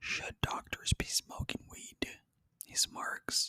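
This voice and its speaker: A whispered voice moving at a very slow pace. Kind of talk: audiobook reading.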